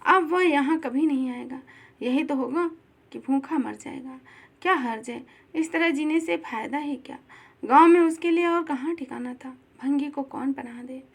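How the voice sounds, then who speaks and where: A woman narrating a classic short story aloud in a steady, expressive reading style. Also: high-pitched.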